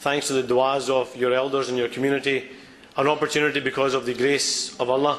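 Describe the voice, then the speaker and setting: Over noticeable background noise, a man with a Scottish accent speaks at a medium pitch. His pace is fairly quick, his intonation monotone and flat. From Scotland, Glasgow. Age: 20s. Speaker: politician. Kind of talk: speech.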